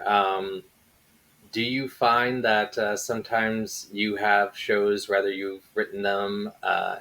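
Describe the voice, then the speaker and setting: Male interview host. Lowish, gravelly voice, halting and conversational. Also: fairly bright tone, low-quality recording. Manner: hesitant, halting phrasing. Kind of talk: casual interview questions.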